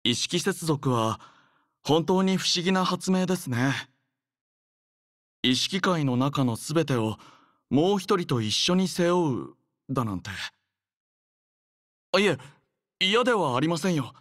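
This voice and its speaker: A courteous, devoted young soldier, close-miked. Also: male voice, a little high, animated, dry recording. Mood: earnest, devoted. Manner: polite, soft-spoken, measured, sincere. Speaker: voice actor. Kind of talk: acted game character voice lines.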